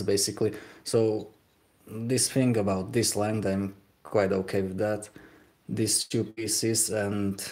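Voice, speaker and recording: A man's voice: on the low side, a little mellow. A young man with a Slovak accent, talking hesitantly while he works in a home workshop during a live stream. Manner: hesitant, self-deprecating, halting. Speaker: livestreaming glassblower. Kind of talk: casual live-stream commentary.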